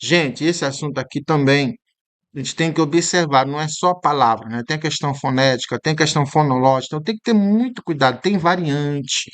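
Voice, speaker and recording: A man teaching an exam-prep lesson with a somewhat raised voice. He talks in a chatty, emphatic way, keeps checking in with the viewer with little tag questions, and says key words slowly and more than once to show how they sound. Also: fairly high pitch.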